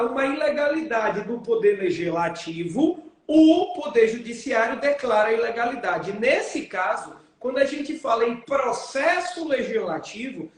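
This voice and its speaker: A male lawyer explains the law in a measured, teacherly way and answers his own rhetorical questions. His voice rings out in a very echoey room. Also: very high voice. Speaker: lawyer, guest.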